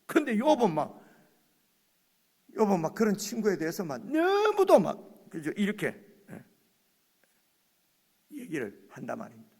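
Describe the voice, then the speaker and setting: High-voiced impassioned preacher in a reverberant hall. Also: male voice, huge pitch swings, a little slow, long pauses, darkish tone. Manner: impassioned, acts out the speaker's protests in the text. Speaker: pastor. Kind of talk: sermon. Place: church sanctuary.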